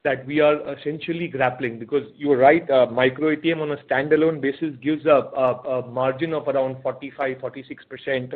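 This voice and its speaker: Husky Indian man on a phone line. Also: medium pitch, fairly even intonation. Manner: halting, repeats phrases. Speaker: company executive answering analysts. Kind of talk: earnings call answers, unscripted. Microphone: telephone conference call. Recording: narrow, tinny phone conference line.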